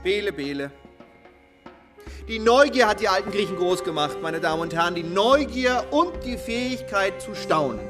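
A man's voice: sits high, expressive, normal speed. An actor playing a tipsy man who orates pompously in a radio drama. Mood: tipsy grandiose. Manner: declamatory, pompous. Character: tipsy man grandly orating about the ancient Greeks. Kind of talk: radio drama, grandiose speech. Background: music.

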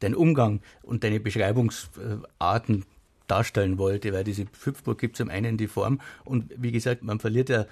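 A man's voice: lowish voice, steady tone, normal speed, a little mellow. A man interviewing a guest, keen and thinking aloud as he builds his question. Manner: enthusiastic, thinks aloud with restarts. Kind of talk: conversational interview.

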